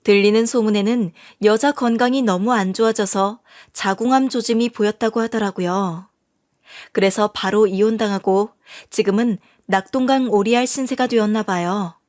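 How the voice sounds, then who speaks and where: A woman telling a first-person story in a calm, matter-of-fact way. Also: medium pitch, moderate pace, no echo, studio quality. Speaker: narrator.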